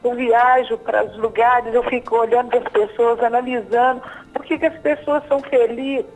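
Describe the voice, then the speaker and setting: A woman in her fifties calling in live to a TV program, halting and repeating herself as she tells of her fears. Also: on the high side, fairly even intonation, darkish tone, lo-fi sound, faint music behind. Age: 50s. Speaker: caller. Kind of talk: live phone call to a TV program.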